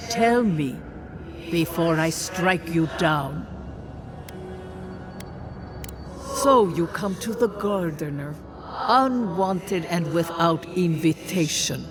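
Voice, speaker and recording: A woman voicing a stern, grieving ancient ghost guardian in a fantasy game, speaking in a grave, formal way. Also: lowish voice. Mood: threatening. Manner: grave, formal, measured storytelling. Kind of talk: fantasy video game voice acting. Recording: music behind the voice.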